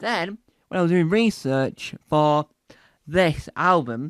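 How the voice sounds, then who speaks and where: Over a very clean recording with a silent background, a man with a northern English accent talks at a very slow pace, fairly high-pitched for a man, in a dry, close sound with no echo. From northern England. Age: 20s. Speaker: stand-up comedian. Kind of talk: stand-up.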